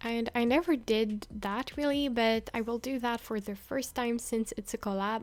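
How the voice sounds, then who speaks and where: A woman with a Quebec accent speaks at a moderate pace in a fairly high voice with fairly even intonation. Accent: French Canadian accent in English. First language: French. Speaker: Sims YouTuber. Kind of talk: casual voiceover monologue for a speed build video.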